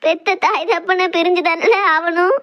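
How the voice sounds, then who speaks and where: A woman's voice: extremely high pitch, steady tone, a little slow, a bit bright. A woman voicing a fretting village mother, who consoles her family in a soothing way. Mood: consoling.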